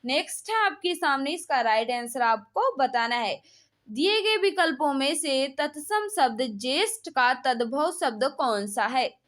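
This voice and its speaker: High-pitched woman teaching a quiz. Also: animated, a bit bright. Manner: brisk prompting, repetitive set phrases. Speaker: online exam-prep teacher running a live quiz class. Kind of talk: live quiz lesson, reading questions and confirming answers.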